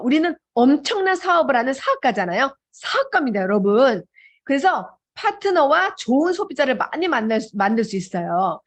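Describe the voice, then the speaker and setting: High, lively Korean seminar speaker woman. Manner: animated, acts out dialogues with changing voices. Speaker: motivational speaker. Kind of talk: seminar talk.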